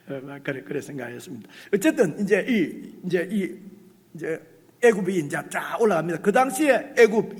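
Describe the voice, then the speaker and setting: A male pastor preaching a conversational sermon, animated, with many fillers and restarts, rising to near shouts. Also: a little high. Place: church sanctuary. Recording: reverberant church hall, slightly husky.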